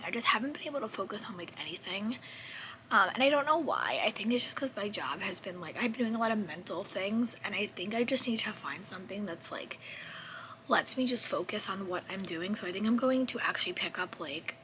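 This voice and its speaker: A woman in her thirties with a sore, hoarse voice, half-whispering through a chatty book wrap-up vlog. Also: medium pitch, expressive, a little fast, pushed and bright, a little hiss or hum. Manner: chatty, rambling with self-corrections. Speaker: book vlogger. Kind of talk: casual book wrap-up chat.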